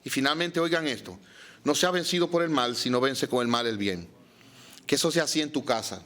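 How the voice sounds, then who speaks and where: A pastor preaching a sermon, reading scripture and asking the congregation rhetorical questions. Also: male voice, medium pitch, brisk, a bit bright.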